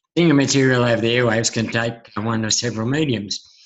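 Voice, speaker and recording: With an Australian accent, a man speaks at a fairly quick pace in a medium pitch, his intonation fairly even. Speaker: broadcast technology trainer. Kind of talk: webinar presentation.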